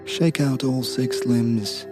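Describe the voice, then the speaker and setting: A man playing a silky, sinister storyteller, narrating a hypnotic dark fairy tale with theatrical, lingering words. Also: mid-range voice, steady tone, takes it slowly, loud music behind the voice, natural voice. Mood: hushed, ominous. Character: sinister, silky storyteller lulling a traveler to sleep. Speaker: bedtime storyteller.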